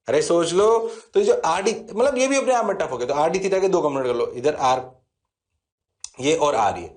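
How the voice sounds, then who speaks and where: Lively male physics teacher with Indian accent. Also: a little high. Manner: talks to students, answers himself in their voice; repeats key phrases, mixes English terms in. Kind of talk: classroom lecture. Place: classroom.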